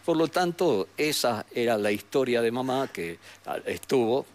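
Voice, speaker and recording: An older man with a northwestern Argentine accent, telling memories as an interview guest in a rambling, halting way with frequent tag questions. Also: mid-range voice, expressive. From San Salvador de Jujuy, Argentina. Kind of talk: reminiscing in a conversational interview. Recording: noticeable background noise.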